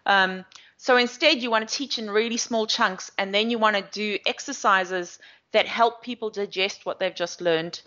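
A woman's voice: mid-range voice, normal speed, bright, forceful tone. A woman with a South African accent, an agile coach giving long, chatty interview answers with plenty of fillers. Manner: chatty, explanatory, many fillers. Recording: slightly dull audio.

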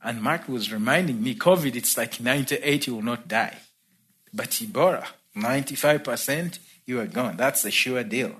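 A man's voice: medium pitch, normal speed. A man from Uganda with a Ugandan accent, telling his own conversion story in a sermon with easy laughter. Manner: warm storytelling, laughs between points. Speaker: preacher. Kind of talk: sermon testimony. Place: church.

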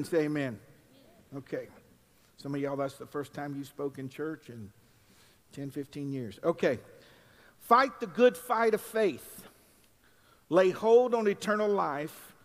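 Older pastor preaching at a pulpit mic. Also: male voice, fairly high pitch. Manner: folksy asides building to loud, drawn-out preaching. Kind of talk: sermon. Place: church sanctuary. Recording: long reverb in a church hall.

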